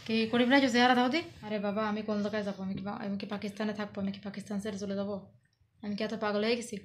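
A woman's voice: mid-range voice, flat delivery, rapid-fire, slight background noise. A woman from Bangladesh speaking, coaxing and teasing her husband at home while talking to her viewers. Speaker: vlogger filming her husband. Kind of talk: casual home vlog.

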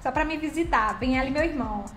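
High-voiced woman streaming. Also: quick pace, a bit bright. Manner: chatty and affectionate, calls viewers by name and pet names. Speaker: live stream host. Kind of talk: casual live-stream chat greeting viewers. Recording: roomy echo with faint background music.

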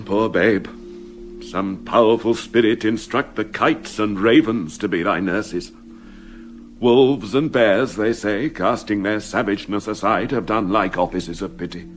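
A man's voice: on the low side, lightly acted. An actor playing a loyal nobleman who pities the baby he must abandon, in a radio drama. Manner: pitying, grieved.

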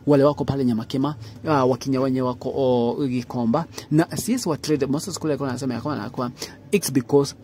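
A man with a Kenyan accent giving informal news commentary in an emphatic, halting way, repeating phrases. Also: medium pitch, fairly even intonation, warm tone, slight background noise. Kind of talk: informal news commentary mixing English and Swahili.

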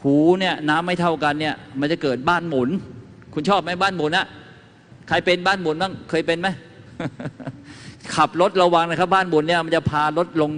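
A man's voice: on the high side, steady tone, fairly quick, a bit bright, a little hiss or hum. A man giving a folksy talk to a live audience as a lecturer on home remedies, telling anecdotes and tossing questions to the crowd. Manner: chatty, asks the audience questions, tells anecdotes. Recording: reverberant hall.

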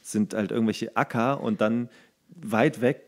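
A man co-hosting a podcast, telling anecdotes in casual, colloquial, halting speech. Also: mid-range voice. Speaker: podcast co-host.

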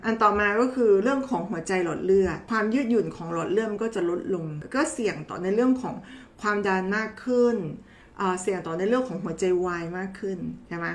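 A woman's voice: medium pitch, fast talker, slight background noise. A woman doctor giving a casual, chatty health explainer, talking to viewers in a familiar, teasing way. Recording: roomy echo.

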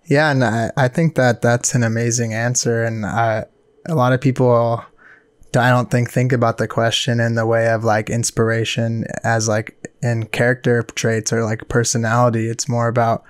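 A man's voice: medium pitch, level tone, normal speed, clear, resonant tone, no room sound, clean studio sound. A man hosting a podcast, laid-back and agreeable in casual chat. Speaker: podcast host.

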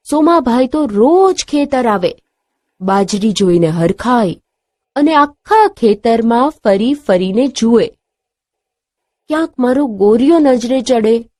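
A woman's voice: medium pitch, darkish tone, no echo, clean studio sound. A woman teacher telling a story and leading a lesson for young children.

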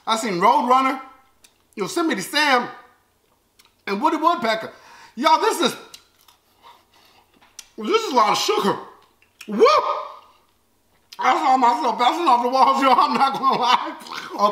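A man's voice: very high-pitched, very animated, measured pace, pauses often, pushed and bright. An American man in his thirties chatting casually and comically to viewers as a vlog host, exclaiming and reacting expressively while he eats. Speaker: host of a food-tasting video. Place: large open living and dining room at home. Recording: roomy echo, clear background noise.

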